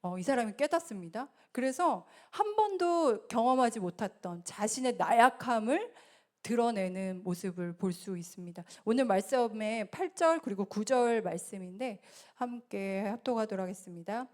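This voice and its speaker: A woman preaching a sermon in a church, earnest and swelling louder then dropping soft. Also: on the high side, expressive, moderate pace. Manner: earnest, rises and falls in loudness. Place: church sanctuary.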